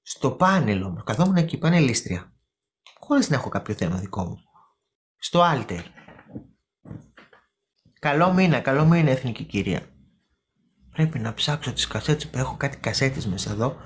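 A woman's voice: extremely low pitch, expressive. A woman hosting a casual live stream, chatting and gossiping with her viewers, calling them by name and repeating words for emphasis.

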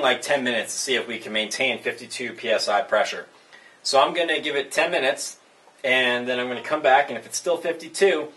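A young man narrating a hands-on plumbing demonstration, explaining each step in a relaxed, casual way with fillers. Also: medium pitch. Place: indoors in a tire-walled building under construction.

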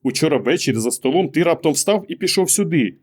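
Guy putting on a worried fed-up wife, higher voice, keeps pushing with questions. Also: big pitch swings, a little fast, darkish tone. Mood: pressing. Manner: pressing, insistent questioning. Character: anxious middle-aged wife, exasperated and pleading. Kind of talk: audiobook character voice.

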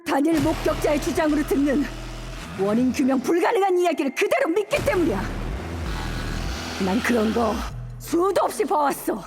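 A sharp, know-it-all young woman in an audio drama. Her crisp, assertive voice sits high and leaps all over in pitch. Music plays under the scene. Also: very animated, moderate pace. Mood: confident. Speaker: voice actor.

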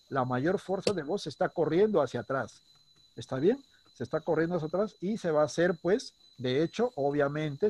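A man teaching a primary school class online. He is patient, checks in constantly with short questions, and slows down to stress words when he explains. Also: on the high side. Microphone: computer mic on a video call.

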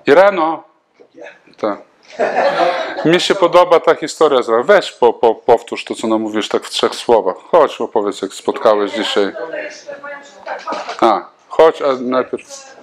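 A man's voice: medium pitch, expressive, a little slow, pauses often, crowd noise. Man, pastor, leading prayer, informal, calls people forward. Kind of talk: leading prayer and closing a seminar. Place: church gathering.

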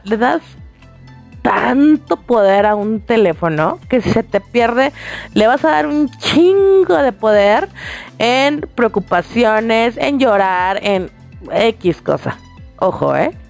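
A woman's voice: on the high side, animated, takes it slowly, creaky, faint music behind. A woman with a Mexican accent, hosting a radio show and chatting casually, telling a long personal story straight to her listeners. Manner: chatty, colloquial, addresses listeners directly.

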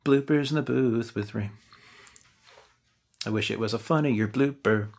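A man's voice: medium pitch, unhurried, vocal fry, darkish tone. A man playing a tabletop game, riffing jokes with old-fashioned slang words. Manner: playful, riffs in old-timey slang. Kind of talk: riffing banter at a recording session.

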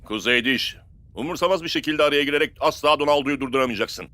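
A man voicing a calm football coach in a dubbed cartoon, measured and instructive. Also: a little high, no room sound, soft background music.

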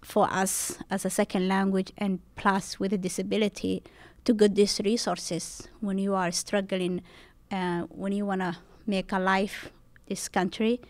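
A young woman introduces herself on a panel in halting second-language English. Her pitch stays flat, and the sound is close and dry. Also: no room sound. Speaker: panel presenter, graduate student. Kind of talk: panel presentation.

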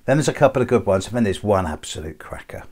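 A man's voice: on the low side, lively intonation, fast talker, darkish tone. A middle-aged man, an astrologer, chatting casually to his viewers and telling jokes with relish. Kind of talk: casual chat to camera.

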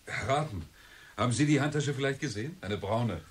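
An actor playing a defensive suspect in a radio drama, protesting and evasive. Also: male voice, mid-range voice, a little fast, lightly acted. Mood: indignant. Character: defensive male suspect, a woman's fiancé. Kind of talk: German radio drama acting.

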